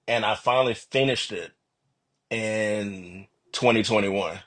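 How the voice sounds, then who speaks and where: Male author guest, low rough-edged voice, casual and earnest, acts out his inner dialogue. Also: takes it slowly, a bit bright. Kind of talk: casual, animated interview chat.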